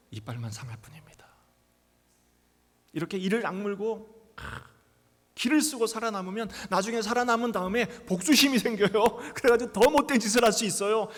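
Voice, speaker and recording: Male pastor, high voice, live sermon, whispers to near-shouts, church hall reverb. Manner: dramatic, swings from hushed whispers to loud outbursts; acts out quoted voices. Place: church sanctuary.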